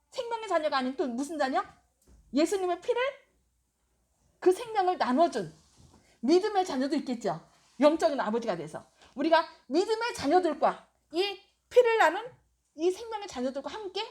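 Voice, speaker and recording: A woman's voice: extremely high pitch, a little mellow. A woman pastor preaching a sermon, telling a story expressively and quizzing the congregation with questions.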